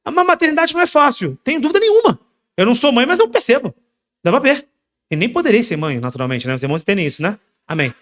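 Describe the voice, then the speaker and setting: Emphatic Carioca preacher. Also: male voice, very high voice, big pitch swings, quick pace. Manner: emphatic, swinging between soft and loud; repetitive exhortations. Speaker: pastor. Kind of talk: sermon.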